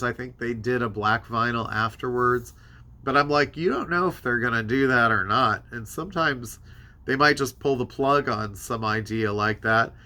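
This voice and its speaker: A man's voice: mid-range voice, sharp tone. A man hosting a casual, rambling music release rundown, congested and tired-voiced, speaking in conversational asides. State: tired voice giving out. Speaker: host of a music new-release show.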